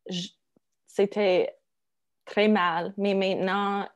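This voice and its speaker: Woman w/ english accent in french, slow n halting, keeps switching to english, casual chat. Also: mid-range voice, flat delivery. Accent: English-speaking accent in French. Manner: halting, searches for words in a second language. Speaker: interview guest.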